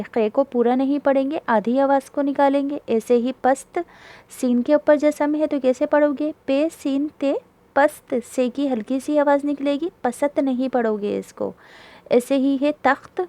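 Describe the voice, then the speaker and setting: A woman's voice: high-pitched, mellow. A woman teaching a beginner Urdu lesson to schoolchildren, patiently spelling each word letter by letter before reading it whole.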